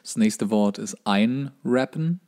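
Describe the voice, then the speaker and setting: A man's voice: lowish voice, slow pace, warm tone. A man co-hosting a comedic podcast, teasing and quizzing in a casual, wry way. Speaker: podcast co-host. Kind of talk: casual comedic banter, quizzing his co-host.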